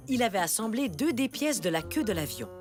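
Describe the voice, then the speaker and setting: A woman's voice: a little high, big pitch swings, fairly quick, a little mellow, faint music behind. A woman giving scripted storybook narration for a children's cartoon.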